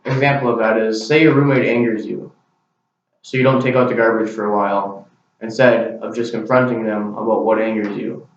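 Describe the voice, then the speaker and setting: A man's voice: fairly low pitch, fairly even intonation, brisk, a little hiss or hum. Young guy doing his class speech, sounds far off, heavy echo, kinda muffled. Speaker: student. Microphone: camera mic. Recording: very echoey, distant, dull camera recording.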